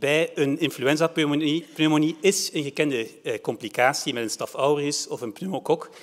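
A man talks at a moderate pace with hardly any pauses. His fairly high voice shows ordinary pitch variation. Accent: Flemish. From Flanders, Belgium. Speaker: medical doctor presenting research. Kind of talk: conference presentation. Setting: stage with audience.

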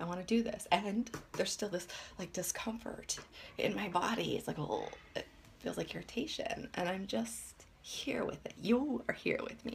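Light noise in the background behind a woman's moderately paced speech. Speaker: emotional wellness coach. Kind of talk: live stream talk. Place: home room. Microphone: phone near.

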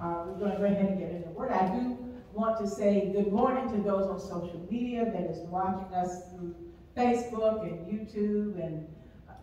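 Fairly even intonation carries at a moderate pace. Strong room echo and background music surround it. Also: woman. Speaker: pastor. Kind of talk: sermon. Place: church. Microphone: camera far.

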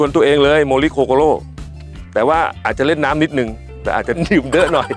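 Faint music plays behind a man whose fairly high voice keeps fairly even intonation and very even loudness in a dry sound with no echo. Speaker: voice actor. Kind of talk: interview answer. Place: home room. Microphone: lapel.

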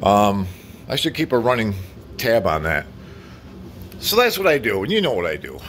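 A man speaks at a moderate pace with very wide pitch swings. Light background noise runs underneath. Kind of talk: casual vlog chat. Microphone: phone near.

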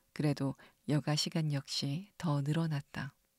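A woman's calm, warm tone, dark and mellow, in a very clean recording with a silent background. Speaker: audiobook narrator. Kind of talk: dramatic narration of a novel, read aloud as a bedtime audiobook. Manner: calm, warm, slow and soothing, with expressive emphasis.

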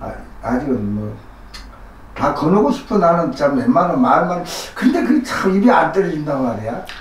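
With audible room echo, a man talks at a moderate pace, using very wide pitch swings and long, frequent pauses. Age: 70s. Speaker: patient. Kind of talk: interview. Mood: candid, somewhat hesitant. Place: office.

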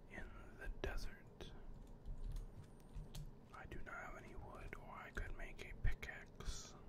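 Whispering at a very slow pace, a man speaks in a relaxed tone. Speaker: ASMR creator. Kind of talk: ASMR gameplay commentary. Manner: whispered; soft-spoken, relaxed.

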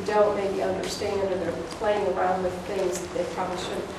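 A woman is speaking. Room echo is audible, and background noise is noticeable. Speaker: presenter. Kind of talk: lecture. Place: meeting room. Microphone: camera far.

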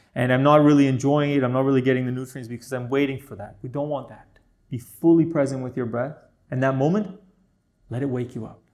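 Against a quiet background, a man talks at a very fast pace with fairly even intonation. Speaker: meditation teacher. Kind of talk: guided meditation. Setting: video. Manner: warm, gentle. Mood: calm, warm, explanatory. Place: home room. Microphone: lapel.

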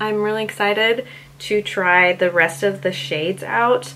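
A woman's fairly low voice over light background noise. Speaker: beauty vlogger. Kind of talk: makeup tutorial and product review chat. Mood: relaxed, upbeat.

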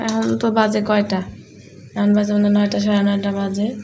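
Room echo is audible around a woman's voice. She speaks at a medium pitch with monotone, flat intonation. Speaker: family vlogger. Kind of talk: casual vlog narration.

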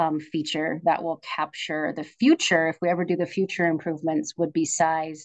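A woman's ordinary speaking voice, fairly low in pitch, with fairly even intonation. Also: quiet background. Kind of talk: meeting answer explaining a project. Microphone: video call.

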